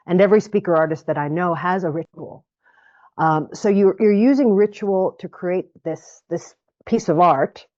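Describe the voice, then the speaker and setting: A woman with a fairly low voice talks reflectively as an interview guest. She picks up phrases and repeats them while she thinks. The sound is dull and lo-fi. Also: darkish tone. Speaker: guest speaker coach. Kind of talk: interview conversation. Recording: muffled lo-fi recording.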